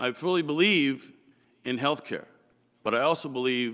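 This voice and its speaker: Heard in a very clean recording with a silent background, the voice has a bright, sharp tone and a Pacific Northwest accent. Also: man. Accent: Pacific Northwest American. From US Pacific Northwest, Anacortes, Washington. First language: Croatian. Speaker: political candidate. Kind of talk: campaign speech at candidate forum.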